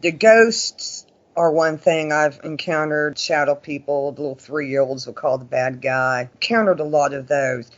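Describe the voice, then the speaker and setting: A man's voice: a little high, unhurried, a bit bright. A man talking casually as an interview guest, telling stories in a chatty, folksy way and often voicing quoted remarks. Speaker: interview guest, paranormal investigator. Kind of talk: casual conversational storytelling. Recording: dull lo-fi audio.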